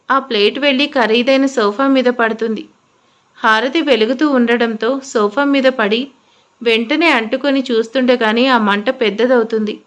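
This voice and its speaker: A woman narrating a dramatic family story for an audio storytelling channel. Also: on the high side.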